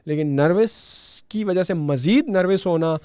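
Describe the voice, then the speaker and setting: A man's voice: sits high, unhurried, dark tone, clean tone, no echo. A man from Pakistan with a Pakistani accent, hosting a podcast in a chatty, easygoing way, slipping English phrases into his talk. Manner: chatty, laughs easily, mixes English phrases into Urdu. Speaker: podcast host. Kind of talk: casual podcast conversation.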